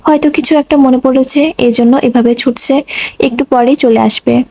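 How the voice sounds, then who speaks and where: A woman voicing a calm, fond middle-aged mother in a read-aloud story, speaking gently and reassuringly. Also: high-pitched, normal speed, dry recording. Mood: gentle.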